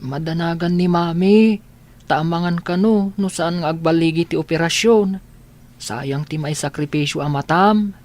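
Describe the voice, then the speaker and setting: A cautious man, played by a man who explains things carefully in a slightly high voice. He is a character in an audio drama. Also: moderate pace, lightly acted. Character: man explaining a risky operation.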